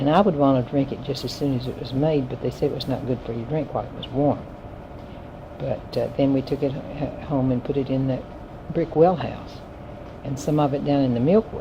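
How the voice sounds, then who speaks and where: Someone with a North Carolina accent talks at a fairly quick pace with fairly even intonation over noticeable background noise. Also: woman, very deep, low pitch for a woman. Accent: Southern US, North Carolina. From Yadkin County, North Carolina, USA. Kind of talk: personal memoir recollection, spoken oral history. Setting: handheld cassette recorder.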